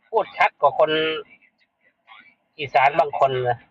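A man's voice: slow pace, no echo, muffled recording. A man hosting a casual live stream, talking bluntly and chattily to his viewers. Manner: blunt, chatty, addresses viewers as brothers and sisters. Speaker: livestream host. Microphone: streaming setup.

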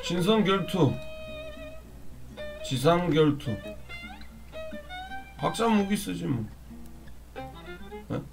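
A man streaming gameplay live, commenting excitedly and yelling trash talk at enemies in the game. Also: a little high, very slow, creaky, long pauses, music in the background.

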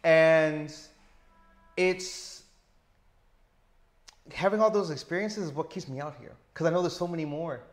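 A man in his thirties with a stutter, talking slowly and deliberately as an interview guest on a lapel mic indoors. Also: fairly high pitch, faint music behind. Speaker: interview guest, teacher living abroad. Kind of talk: casual interview. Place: indoor lounge with sofa.

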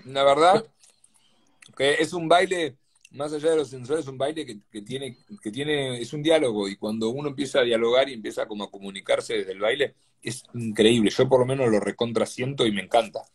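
A man's voice: medium pitch, brisk, slightly rough. A man joins a live video call from his phone and talks with enthusiasm about something he loves. He is eating as he speaks, so his words come out a bit muffled. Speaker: guest. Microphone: phone camera on a video call.

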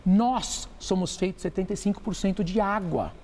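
A man, a doctor guest on a TV talk show, explaining calmly and answering his own rhetorical questions. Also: sits high, moderate pace. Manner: didactic, poses rhetorical questions then answers them. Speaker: obstetrician guest.

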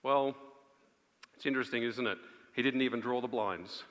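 A man in his thirties preaching an earnest, emphatic live sermon with dramatic pauses on a large auditorium stage. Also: mid-range voice, fairly bright tone. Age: 30s. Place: on stage in a large theatre before an audience. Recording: reverberant large auditorium sound.

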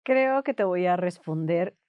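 A woman, a guest therapist in a casual conversation, calm and measured. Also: fairly low pitch, no echo, muffled recording. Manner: calm, measured, avoids swearing.

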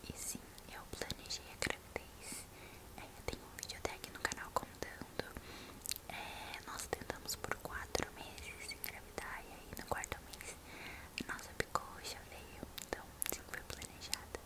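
Young Brazilian woman in an intimate whisper. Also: measured pace. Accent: Brazilian, São Paulo state. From São Paulo state, Brazil. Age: young adult. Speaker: ASMR video creator and host. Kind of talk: ASMR, answering viewers' questions casually. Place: small bedroom indoors. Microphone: large microphone right at the mouth.

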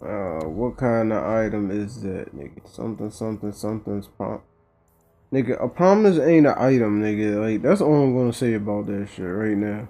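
A man's voice: lowish voice, normal speed, mellow. An American man giving casual, profane let's-play commentary in a blunt, slangy, reactive way. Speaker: gaming video host. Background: game music.

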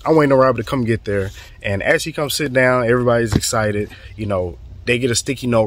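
Man, hoarse voice, from the southern US, casual vlog storytelling, animated, profane. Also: lowish voice, slight background noise. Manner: animated, profane, acts out quotes. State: hoarse, voice going. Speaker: real estate vlogger.

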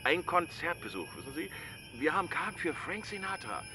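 A man's voice: fairly high pitch, big pitch swings, fairly quick, background noise. A man playing an evasive, patronising therapist. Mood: dismissive. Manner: patronising, hemming. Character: evasive, dismissive male therapist. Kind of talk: German audio drama acting. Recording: music behind the voice.

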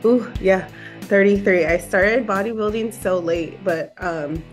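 A woman's voice: mid-range voice, a little slow, faint music behind. A woman in her thirties, from Japan and the Philippines, with an American accent, chatting as a podcast guest over a video call from her living room, laughing often and filling with "like". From Okinawa, Japan, and the Philippines. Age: 30s. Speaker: podcast guest, bikini bodybuilder and personal trainer. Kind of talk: casual interview chat. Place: home living room, indoors. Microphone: earphone mic on a video call.

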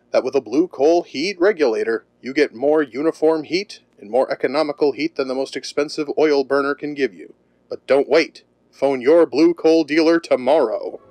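A man's voice: mid-range voice, darkish tone, natural voice. A man playing an earnest, formal and persuasive radio announcer in 1930s style.

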